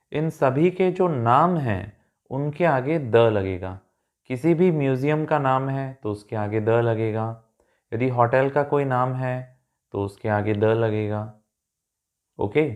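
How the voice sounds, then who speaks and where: A man teaching English grammar in Hindi with an Indian English accent, patiently repeating points and checking that learners follow. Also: medium pitch.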